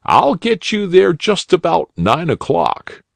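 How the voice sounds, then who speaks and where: A man voicing a jolly, kindly old rabbit gentleman in a storybook reading. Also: on the high side, huge pitch swings, takes it slowly, creaky, no room sound, voice pushed up, exaggerated voice.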